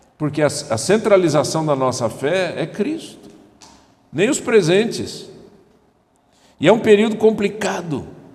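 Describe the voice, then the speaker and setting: With audible room echo around him, a man speaks in a high voice at a fairly slow pace, his pitch swinging very widely between long, frequent pauses. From Paraná, southern Brazil. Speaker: pastor. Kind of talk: sermon. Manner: animated, conversational.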